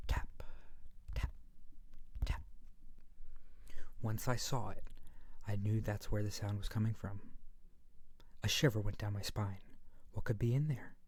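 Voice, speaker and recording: A man voicing a friendly, sheepish monster under the bed in a soft, breathy ASMR roleplay, gentle and playful, often near a whisper, very close to the mic. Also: lowish voice, no echo.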